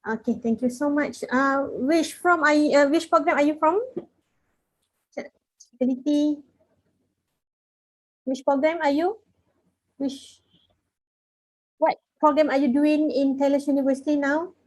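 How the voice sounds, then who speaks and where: High voiced lady teacher doing roll call, slow and kinda halting. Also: fairly even intonation, rough recording. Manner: slow, repeats questions, halting phrasing. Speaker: university lecturer. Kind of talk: online class roll call.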